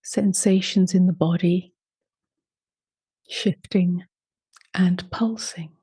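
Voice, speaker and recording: A woman leading a guided meditation in a soft, unhurried voice that often drops to a half-whisper. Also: fairly low pitch, steady tone, slightly rough, no room sound. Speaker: meditation teacher.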